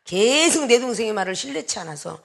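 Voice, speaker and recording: Gravelly-voiced woman pastor preaching emphatically. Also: fairly high pitch, very animated, a little fast. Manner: emphatic preaching, acts out dialogue in changing voices, sometimes shouts. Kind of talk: sermon.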